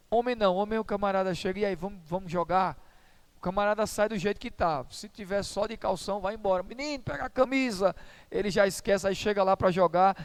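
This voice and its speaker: A man's voice: sits high, a little mellow, clear, resonant tone. A man preaching a sermon in church as pastor, in a conversational, humorous storytelling manner.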